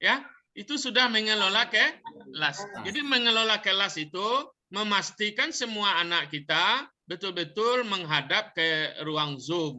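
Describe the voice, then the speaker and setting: A man talks loudly at a fairly slow pace, his pitch high for a man and swinging very widely. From Padang, West Sumatra, Indonesia. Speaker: teacher trainer. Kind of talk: training session. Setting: video call. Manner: loud, clear articulation.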